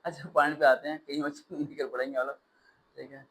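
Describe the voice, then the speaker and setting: Male test-prep teacher, slightly high voice, animated lecturing with sarcastic rants. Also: fast, breathy edge, rough recording. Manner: animated, ranting with sarcastic asides. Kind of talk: classroom lecture.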